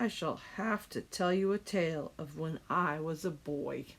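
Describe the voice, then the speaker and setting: A put-on character voice, female-sounding, booming and raspy, at a middle pitch and a moderate pace. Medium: read story. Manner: dry, playful humor.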